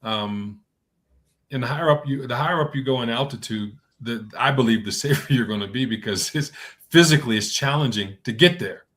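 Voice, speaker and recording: A man's voice: medium pitch, fairly quick, fairly bright tone. Russian-accented man thinking aloud. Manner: thoughtful, hesitant, many restarts. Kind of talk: casual video-call chat.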